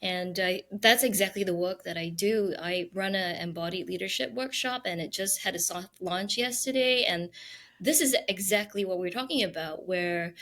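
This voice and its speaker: A woman's voice: medium pitch, normal speed, fairly bright tone. Thoughtful woman guest explaining her work. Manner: thoughtful, with fillers like "you know". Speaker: guest, trauma consultant. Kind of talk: interview answers.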